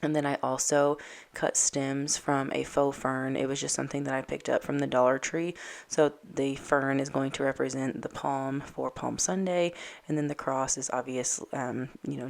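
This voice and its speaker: A woman home decor vlogger chatting casually to camera, losing her voice from a dry throat, soft and hesitant with many ums. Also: extremely low pitch, gravelly.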